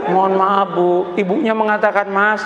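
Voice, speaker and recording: A man's voice: high voice, flat delivery, moderate pace, crowd noise. A man telling a humorous story as a preacher, acting out the dialogue in a sermon. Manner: acts out dialogue with Javanese phrases, laughing asides. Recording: echoey hall, lo-fi audio with faint ambience.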